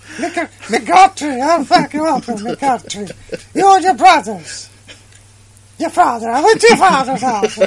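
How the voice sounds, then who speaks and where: In a put-on character voice with an Irish accent, a man speaks at a fairly slow pace. The sound is squeaky and extremely high-pitched. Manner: aggressive, shouting.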